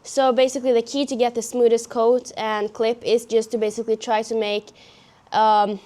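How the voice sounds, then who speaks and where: A woman's voice: on the high side, flat delivery, normal speed, mellow. Chatty teen girl with Norwegian accent. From Norway. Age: teens. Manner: chatty, lots of fillers, self-conscious. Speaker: horse vlogger. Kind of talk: casual tutorial vlog. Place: outdoors or stable with her horse.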